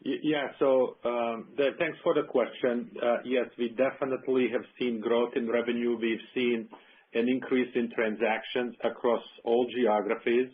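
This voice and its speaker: A man's voice: medium pitch, level tone, moderate pace, slightly rough. A man speaking as a finance executive, answering an analyst on an earnings call in a businesslike, explanatory manner. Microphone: telephone conference call. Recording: narrow tinny phone line.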